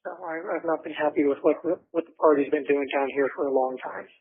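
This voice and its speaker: A man rambles casually over a prison phone line, full of fillers and restarts as he chats with family from jail. His voice is husky and a little high. It comes through thin and tinny, like a phone line. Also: steady tone, brisk. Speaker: inmate calling family.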